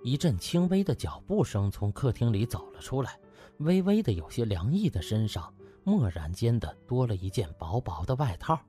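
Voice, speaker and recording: Male narrator, dramatised audiobook, mid pitch, relaxed timbre, faint music behind. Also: normal speed.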